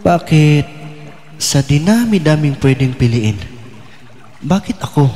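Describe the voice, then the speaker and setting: A man's voice: a little high, animated, slow pace, dark tone. An actor playing a troubled, doubting young man in love in an audio drama, speaking in a brooding, vulnerable, hesitant way. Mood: uncertain. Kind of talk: Filipino audio drama acting, intimate dialogue. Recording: long hall reverb over music.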